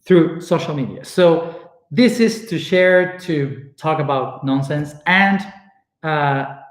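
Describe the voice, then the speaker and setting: Slow, halting man with an Argentine accent. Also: fairly high pitch. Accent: Argentine Spanish. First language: Spanish. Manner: searching for words, many fillers and restarts. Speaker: spiritual speaker. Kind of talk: casual personal monologue. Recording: echoey room.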